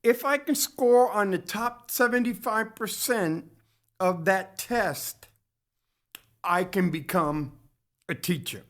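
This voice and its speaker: A man with a somewhat high voice talks through a lecture-style commentary for a community TV show. His delivery is unhurried and halting, and he often stops to restart or correct a word. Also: a bit bright. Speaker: host of a local community TV talk show.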